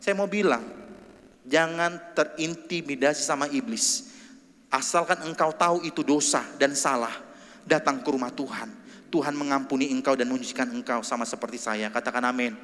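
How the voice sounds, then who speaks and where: A man's voice: medium pitch, moderate pace, fairly bright tone. A man preaching a sermon at a church service, calling for amens and acting out prayers with fervour. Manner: emphatic preaching, calls for amen, acts out prayers. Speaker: pastor. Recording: long church hall reverb.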